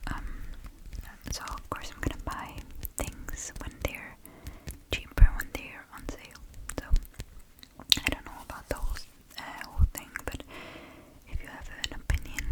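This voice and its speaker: A woman whispers with long, frequent pauses. Noticeable background noise sits behind her. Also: moderate pace, big swings in loudness. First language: not English. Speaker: ASMR creator. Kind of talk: whisper ramble. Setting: home at night by candlelight. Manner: whispering; soft-spoken.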